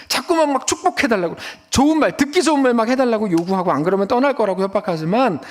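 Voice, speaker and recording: A male pastor giving a Sunday sermon in a church, in a lively conversational way with acted-out quotes. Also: high voice. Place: church sanctuary.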